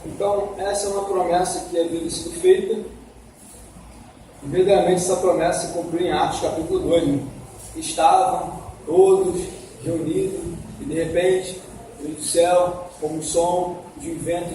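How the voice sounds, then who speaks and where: A man's voice: on the high side, dark tone, a little hiss or hum. A man teaching a Sunday school class on the Bible, asking the class questions as he goes. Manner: asks the class questions, coaxing. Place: church hall. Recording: echoey hall from far off.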